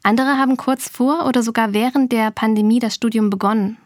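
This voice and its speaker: A woman's voice: a little high, steady tone, a little fast, darkish tone, no echo, studio quality. A woman hosting a photography news podcast, reading a scripted segment intro in an earnest tone that addresses the listeners directly. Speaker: podcast host.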